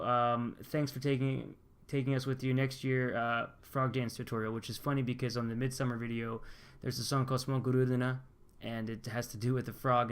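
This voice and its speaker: A man's voice: mid-range voice, gravelly, clean tone. A young American man from Pennsylvania, chatting casually on his channel as he reads viewer comments aloud and answers them with loose, upbeat restarts. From Pennsylvania, USA. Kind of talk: casual vlog chat, reading comments aloud.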